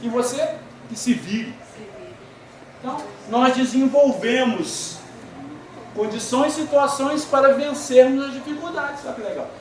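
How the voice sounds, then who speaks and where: His voice is extremely high and a little slow as he gives a conversational lecture at a spiritist center in a Brazilian Portuguese accent. He questions the audience and slips in amusing anecdotes, with a distant mic picking up hall echo and light noise.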